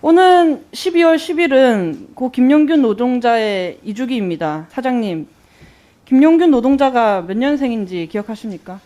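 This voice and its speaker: A woman's voice: fairly high pitch, lively intonation, moderate pace, mellow. A woman in her twenties, a lawmaker questioning an executive in a parliamentary hearing with pointed, indignant rhetorical questions. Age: 20s. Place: national assembly hearing room. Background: faint guitar music.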